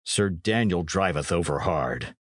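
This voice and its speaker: A man doing a gruff, uneasy old retainer. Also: low voice, lively intonation, measured pace, no room sound, clean studio sound, voice pushed down. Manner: old-fashioned, brusque speech. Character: middle-aged male retainer, gruff and uneasy. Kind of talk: audiobook character voice.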